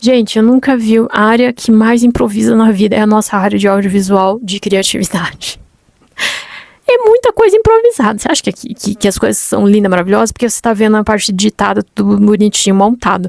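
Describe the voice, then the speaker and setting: Her delivery comes at a fairly quick pace. The audio is close and dry, free of any echo. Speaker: content creator and YouTuber. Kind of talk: casual vlog talk to camera. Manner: fast; animated.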